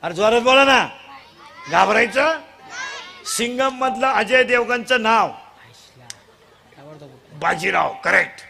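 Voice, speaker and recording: A man giving a comic kirtan sermon, teasing and quizzing the children in the crowd and demanding loud answers. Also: very high-pitched, slow pace, vocal fry, pauses often, a little hiss or hum. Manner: bursts into shouts at times. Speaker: kirtan preacher. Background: audience sounds.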